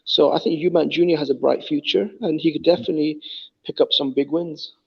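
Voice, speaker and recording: A man talks through a boxing match quickly and keenly, leaning on "you know" as he goes. His voice sits a little high. The audio is muffled. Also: gravelly, breathy edge. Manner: fluent, enthusiastic, many fillers like you know. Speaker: boxing talk guest. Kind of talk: casual boxing analysis.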